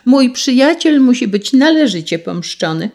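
Woman as small righteous bird, high voice, slow vengeful warnings, bit of fry. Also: animated, darkish tone. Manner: high, declaiming, threatening. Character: small vengeful male sparrow, righteous and stern.

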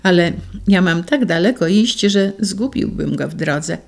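A reader voicing a gentle young boy who grieves tenderly at a hospital deathbed. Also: mid-range voice, lively intonation, a little slow, vocal fry. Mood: tender grief.

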